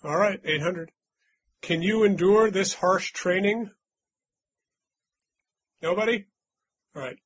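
A man's voice: sits high, slow pace, pauses often, fairly bright tone, husky. A man hosting a casual game quiz on a podcast, reading clues in a playful, teasing way. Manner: playful, teasing, hums little doot-doot jingles. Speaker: quiz host.

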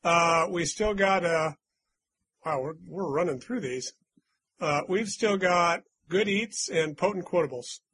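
A man's voice: a little high, a little slow, fairly bright tone, husky, no echo. A man hosting a casual game quiz on a podcast, reading clues in a playful, teasing way. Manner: playful, teasing, hums little doot-doot jingles. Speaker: quiz host.

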